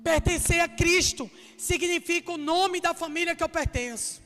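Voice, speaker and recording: A woman preacher with a Northeastern Brazilian accent, giving a jokey, chatty sermon that bursts into shouts. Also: extremely high pitch, moderate pace, big-room sound. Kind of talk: lively humorous sermon. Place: church hall.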